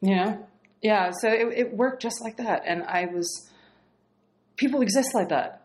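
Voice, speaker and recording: A woman guest telling a story in casual, animated talk, swearing freely and laughing as she goes. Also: medium pitch, a little slow. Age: adult, past marriage. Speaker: podcast guest.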